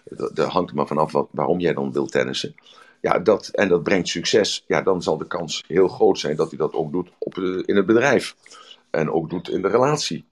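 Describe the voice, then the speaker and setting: A man's voice: low-pitched, moderate pace. A man giving a casual spoken talk on personal development, rambling with many fillers.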